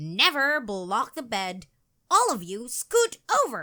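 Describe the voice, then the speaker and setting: A woman's put-on character voice, high-pitched and fairly slow, in a very clean recording with a silent background. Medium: read story. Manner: strict, formal, instructing.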